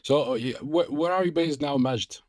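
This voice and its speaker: A man's voice: a little high, moderate pace, darkish tone, no room sound, studio quality. A man hosting a podcast interview, curious and encouraging toward his guest. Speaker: podcast host. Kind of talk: conversational interview.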